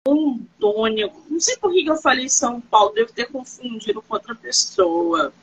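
A woman, an author hosting a live-stream interview, animated and reassuring as she asks questions and tells stories. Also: sits high, normal speed, gravelly, a little hiss or hum, poor audio.

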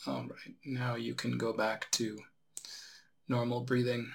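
Slow, gravelly male meditation guide. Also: medium pitch, flat delivery, slight background noise. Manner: unhurried instruction with long pauses. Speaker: meditation teacher. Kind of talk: guided relaxation meditation instruction.

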